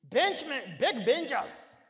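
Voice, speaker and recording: Zimbabwean male preacher, 30s, very high voice, animated and emphatic, podium mic, reverberant hall. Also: slow. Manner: animated, rising to emphatic shouts, asks the crowd questions. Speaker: pastor. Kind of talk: sermon mixing Shona and English. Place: large hall with seated congregation. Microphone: podium microphone.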